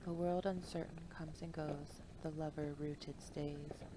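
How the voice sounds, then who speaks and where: Through noticeable background noise, a woman speaks at a fairly slow pace with a very deep, low pitch and fairly even intonation. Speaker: land monitoring worker. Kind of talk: poetry reading.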